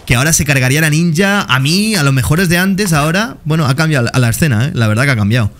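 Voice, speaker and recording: A young man giving excited, jokey commentary over his own gameplay, talking straight to his viewers. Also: fairly high pitch, fast. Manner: excitable, talks to viewers as "señores" and "tío", jokey. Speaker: gaming streamer.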